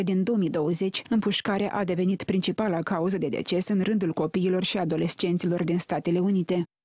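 In a plain, everyday voice, a woman talks at a fairly quick pace and medium pitch with fairly even intonation and a dry, close sound with no echo. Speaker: news reporter. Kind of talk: scripted news report voiceover.

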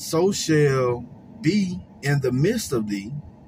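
A man talks with lively intonation while noticeable background noise plays underneath. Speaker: religious commentator. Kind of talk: commentary with scripture reading. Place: car. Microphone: phone near.

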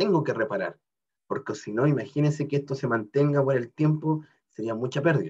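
Somewhat breathy, a man speaks at a moderate pace. The background is quiet. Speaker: lecturer. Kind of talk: lecture. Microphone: webcam.

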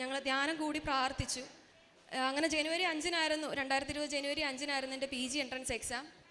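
Over noticeable background noise, a woman with a high pitch speaks in a raised, projected voice with monotone, flat intonation. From Kerala, India (Changanassery). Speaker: paediatric doctor. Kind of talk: testimony.

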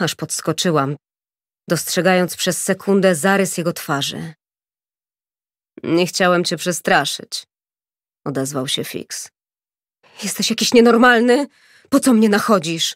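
Against a quiet background with a dry, echo-free sound, a woman speaks at a fairly slow pace with lively intonation and long, frequent pauses. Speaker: audiobook narrator. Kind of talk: audiobook reading of a romance novel. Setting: studio. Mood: dramatic, tense storytelling. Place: booth. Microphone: studio mic.

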